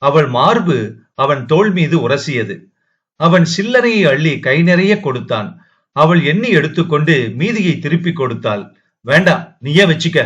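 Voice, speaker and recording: A man reading a short story aloud as an audiobook narrator, with a steady dramatic delivery. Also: on the high side, moderate pace. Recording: dull lo-fi audio.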